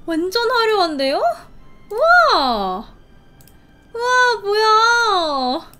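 A young woman hosting a casual game play video, gushing and giggling with excited exclamations. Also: very high voice, extremely slow. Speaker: game channel host. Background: game music.

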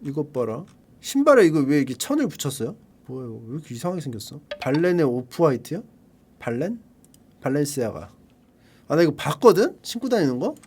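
Casual streamer, male, 30s; wry grumbling running commentary, very lively pitch. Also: a little fast, slightly rough. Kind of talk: casual live-stream chat.

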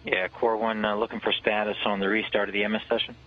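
A man working as launch conductor, giving clipped procedural calls over a radio communications loop, brisk with small hesitations. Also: lowish voice, flat delivery. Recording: muffled lo-fi radio channel.

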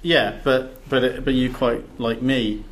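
A man's voice: mid-range voice, fairly even intonation, unhurried, a little hiss or hum. A man co-hosting a casual podcast chat, rambling with frequent restarts and repeated words, sitting back from the microphone in a makeshift studio. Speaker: podcast co-host. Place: big echoey box used as studio. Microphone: sitting back from the table and mic.

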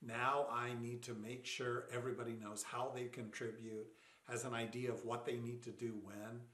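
A man coaching product leaders in a short explainer, measured and plain-spoken, slowing down to stress his points. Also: mid-range voice, flat delivery, fairly bright tone. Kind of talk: short explainer talk to camera. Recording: roomy echo.

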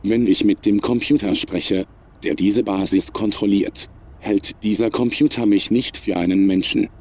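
A man's voice: lowish voice, steady tone, measured pace, warm tone, a little hiss or hum, lightly acted. A man playing a coldly logical, superior artificial intelligence in a science fiction audio drama, speaking formally and without emotion. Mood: cold, detached.

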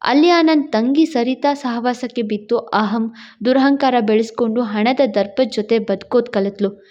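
A tearful older mother, pleading and sorrowful, put on by a woman narrator, in a storybook drama, her voice lower than the narrator's own and a little muffled. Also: moderate pace, a little mellow, natural voice. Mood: worried.

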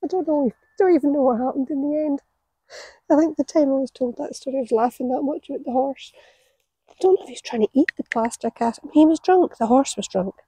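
A woman's voice: sits high, quick pace, dark tone, no echo, low-quality recording. A woman in her forties chatting casually to camera while working outdoors, telling stories with a laugh. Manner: chatty storytelling, laughs at her own tales. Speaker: gardening vlogger. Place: outdoor allotment garden. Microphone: camera on the ground a few metres away.

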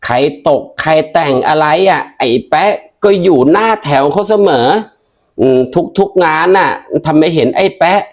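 A woman voicing a coarse, blunt older village auntie who scolds and lectures in rough familiar speech, in a comedy sketch. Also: sits low, lively intonation, moderate pace, voice pushed down. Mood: lecturing.

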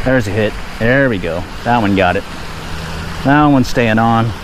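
A man's voice: medium pitch, slow pace. Man narrating his fishing outdoors. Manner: relaxed, chatty, pleased exclamations at each catch. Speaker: fishing vlogger. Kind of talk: casual running commentary while fishing. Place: outdoors at a park pond. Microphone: head-mounted action camera. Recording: outdoor action-camera audio with background noise.

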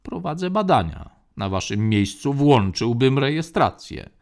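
A man's voice: mid-range voice, big pitch swings, a little slow, creaky, voice pushed up. A man voicing a cocky, wry male general in a spoken space story.

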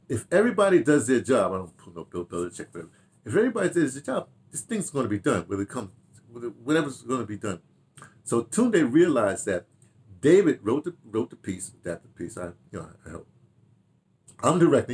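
An American man in his seventies reminiscing casually to camera in an animated, rambling way, with repeated phrases and asides. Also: fairly low pitch. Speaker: audio dramatist and theater director telling his memoirs. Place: small home study, indoors.

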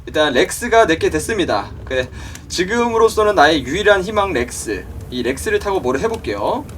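Excitable young man gaming on stream. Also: high-pitched, brisk, slight background noise. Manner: excitable, talks to game creatures, yelps when startled. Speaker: gaming YouTuber. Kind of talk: let's play commentary.

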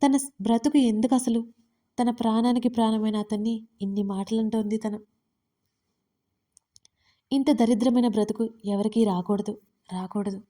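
Mellow-voiced woman narrating an audio story. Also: on the high side, fairly even intonation, normal speed, long pauses.

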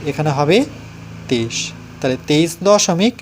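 A man's voice: a little high, animated, a little slow, slight background noise. A man with a Bengali accent teaching a primary-school math lesson, explaining each step patiently and reading digits out one by one.

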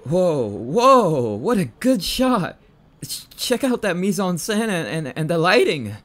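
A man's voice: high-pitched, sing-song, slow, exaggerated voice. A young man playing a jumpy, bashful catboy boyfriend in an ASMR roleplay, stammering and hesitant, bratty but sweet. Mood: startled, flustered.

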